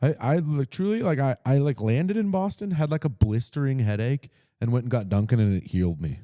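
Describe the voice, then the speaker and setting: A man co-hosting a podcast in casual chat, halting often with fillers and restarts. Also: mid-range voice, animated, mellow, no echo, studio quality. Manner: hesitant, filler-heavy, laughing. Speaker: podcast co-host, comedian.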